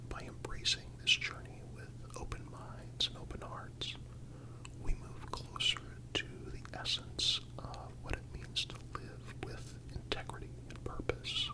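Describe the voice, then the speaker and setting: ASMR narrator, whispered, breathy, unhurried, soothing, measured scripted delivery. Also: low-quality recording.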